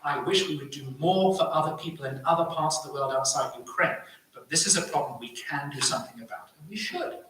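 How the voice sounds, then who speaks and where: A man speaking as a panelist, arguing a point in halting phrases with repeated words. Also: a little high, fairly bright tone, a little hiss or hum. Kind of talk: impassioned debate argument. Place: live panel event in an echoey room. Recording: very echoey room, distant microphone.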